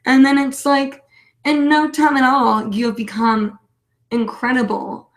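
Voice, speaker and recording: A woman's voice: sits high, little pitch movement, unhurried. A woman hosting a casual live online show, chatting in a rambling, self-deprecating way. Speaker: host of a weekly live online hobby show. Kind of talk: casual livestream chat.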